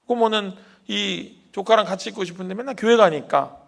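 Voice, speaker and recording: A male senior pastor telling a story in a sermon, animated, questioning the congregation and dropping to a hush. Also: sits high, a little fast, vocal fry.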